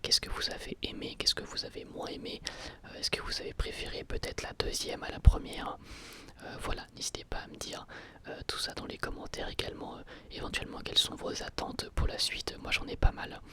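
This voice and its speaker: A person whispering in a breathy, unvoiced voice throughout, giving an ASMR-style review as a video host, thinking aloud in short, hesitant phrases. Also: fairly quick.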